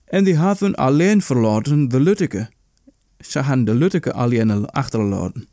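Hesitant Low man, dry sound. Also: lively intonation, normal speed, warm tone, no echo. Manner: hesitant, rephrases each line with many fillers. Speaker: podcast host. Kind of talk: reading an old text aloud and translating it.

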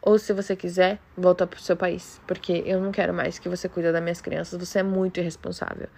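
A woman's voice: lowish voice, flat delivery, brisk, gravelly, darkish tone. A woman quoting a curt, scolding host mother.

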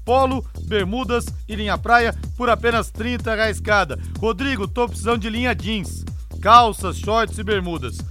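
High-pitched man doing a bright infomercial pitch. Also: normal speed, soft background music. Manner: infomercial-style sales pitch when reading ads. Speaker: sports radio host. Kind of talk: live radio sports show.

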